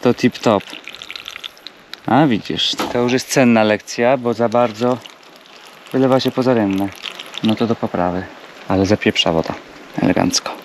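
A man with a low-pitched voice talks casually to his viewers while working outdoors on a rural plot. He thinks aloud and fills the pauses with hesitations. A faint hum of outdoor ambience sits behind him. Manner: chatty, thinks aloud with fillers, addresses viewers. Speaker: vlogger. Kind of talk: casual vlog commentary.

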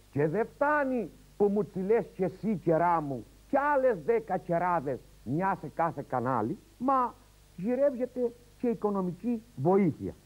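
A man's voice: on the high side, darkish tone, low-quality recording. A man with a Cretan accent delivering a mock-serious, sarcastic comic monologue as host.

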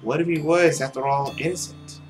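A man's voice: on the high side, steady tone, normal speed. A young man reading visual novel text aloud expressively, with his own commentary. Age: young adult. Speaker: video game player and narrator. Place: small room at home, indoors. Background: game music.

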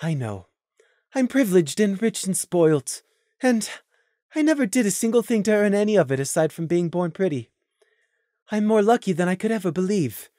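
A woman voicing a gentle, humble female unicorn in an audio story, calm and patient with a smooth, musical tone. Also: mid-range voice, moderate pace, dry recording, clean studio sound, close to an everyday voice. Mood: calm, sad.

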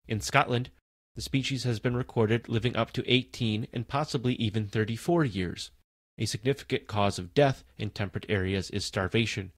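A man reading an encyclopedia article aloud in a steady, even manner. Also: fairly low pitch, no room sound. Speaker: volunteer article reader.

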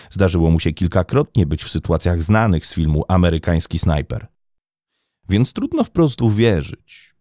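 A man with a very low, dark voice tells a crime story in a measured, scripted way. The sound is dry and close, as from a studio microphone. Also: dry recording. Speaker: narrator. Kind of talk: scripted true-crime narration.

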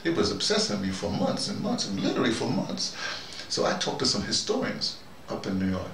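A middle-aged American man giving a rambling, casual monologue to camera, halting and repeating words as he digresses. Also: lowish voice, wildly swooping pitch, a bit bright. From North America. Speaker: host of a personal video dispatch. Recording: echoey room, distant mic, noisy background.

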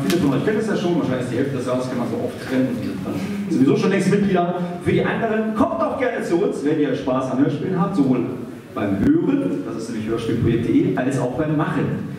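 A man's voice: fairly high pitch, lively intonation, fast talker, a crowd in the background. Echoey, rambling man addressing an audience. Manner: rambling, self-deprecating. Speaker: radio play group member addressing audience. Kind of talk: informal stage announcement. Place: live on a theatre stage. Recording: echoey stage, distant microphone, faint noise.

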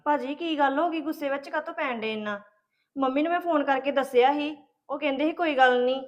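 A woman's voice: sits high, fast talker, dull audio, close to an everyday voice. An actress playing a young college student defending herself to her family. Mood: defensive. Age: young adult. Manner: defensive, explaining, hurt.

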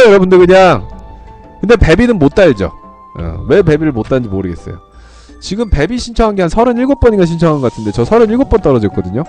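A young man chats his way through a live game stream, talking straight to his viewers as he bargains and counts in-game money. His voice sits a little high and swings up and down freely. Faint music plays under his talk. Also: darkish tone. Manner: chatty, talks to viewers while trading. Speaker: streamer playing an online game.

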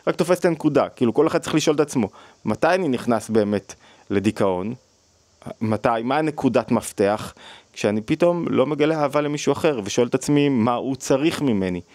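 A man's voice: mid-range voice, expressive, a little mellow, no room sound. Male lecturer, mid-range voice, thoughtful questioning delivery, dry recording. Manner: thoughtful, questioning, with frequent restarts. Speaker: psychology lecturer on the weekly Torah portion. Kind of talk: spoken teaching talk.

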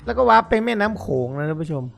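A man giving excited game commentary to his viewers, exclaiming and laughing often. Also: high-pitched, very fast, vocal fry, soft background music. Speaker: gaming YouTuber.

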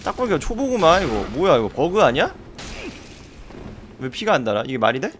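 Male gameplay streamer, excitable and foul-mouthed, animated, slightly high voice. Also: fairly quick, a little hiss or hum. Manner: excitable, swears at opponent; swings from muttering to shouting. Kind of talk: live gameplay commentary.

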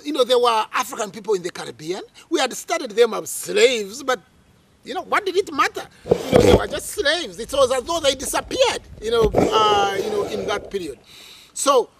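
A middle-aged man from Uganda, a guest in an interview, telling his life story in a dramatic, animated way, with many fillers, recorded outdoors under a tree on a lapel mic. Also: extremely high pitch, no room sound, low-quality recording.

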